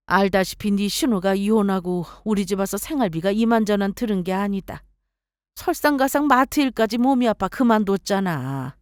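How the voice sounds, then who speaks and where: A woman's voice: medium pitch, clear, resonant tone, dry recording, clean studio sound, close to an everyday voice. A woman playing a domineering mother-in-law. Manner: scolding, imperious.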